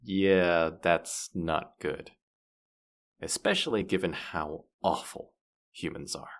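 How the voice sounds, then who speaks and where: A man's voice: deep voice, slow. A man playing a boastful, teasing demon who guides souls through the afterlife, playful and smug in a fantasy audio roleplay. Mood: concerned. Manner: playful, smug, mock-offended, hesitating mid-thought. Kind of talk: scripted character audio roleplay addressed to the listener.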